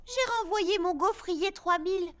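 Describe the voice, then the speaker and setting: A woman's voice: very high-pitched, a little slow, a bit bright. A woman voicing a caring, earnest little girl who leads and encourages her friends in a children's cartoon. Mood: tender. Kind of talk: French children's cartoon dub acting.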